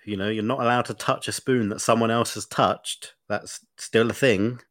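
Podcast guy, bit sniffly, rambles and ums a lot, low-ish voice. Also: steady tone, moderate pace, fairly bright tone, dry recording, clean studio sound. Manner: rambling, chatty storytelling with many fillers. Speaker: podcast co-host. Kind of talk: casual chat.

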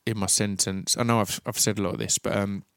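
A podcast host with a lowish voice talks fast and keeps his pitch mostly flat, stuttering noticeably so that he repeats sounds at the start of words. The clip moves between casual interview and reflective monologue, recorded cleanly in a studio with no echo.

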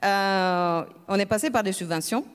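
A woman's voice: medium pitch, moderate pace, clean tone. A woman professor speaking on a conference panel, hesitant and full of filler sounds as she searches for words. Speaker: energy economics professor, panelist. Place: lecture hall at a school. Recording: reverberant conference hall.

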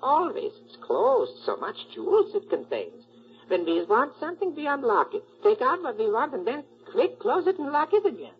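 A woman playing an excitable, fussy shopkeeper with clipped, broken English in 1940s radio acting style. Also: on the high side, moderate pace, slight background noise. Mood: anxious, emphatic. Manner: clipped, emphatic, immigrant-style broken grammar. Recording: muffled old radio recording.

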